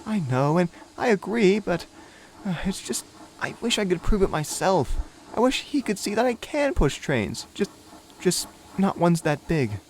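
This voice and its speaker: A man voicing a proud but sensitive young female engine who speaks softly and haltingly. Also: high voice, big pitch swings, voice pushed up, full character voice. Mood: timid. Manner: soft, halting and hesitant.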